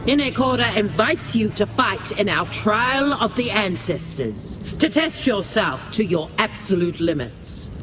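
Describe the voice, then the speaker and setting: An actor playing a solemn, reverent tribal herald, formal and ceremonial, in a fantasy video game. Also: male voice, sits high, expressive, measured pace, few pauses, music in the background.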